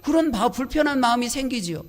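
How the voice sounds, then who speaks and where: A man's voice: extremely high pitch, expressive, quick pace. A male pastor preaching a sermon, telling a personal story and acting out his own inner grumbling.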